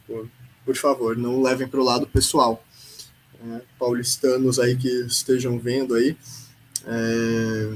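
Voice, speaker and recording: A man's voice: mid-range voice, a little hiss or hum, poor audio. A man hosting a podcast, giving casual, sarcastic political commentary and peppering his speech with filler tags. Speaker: podcast host.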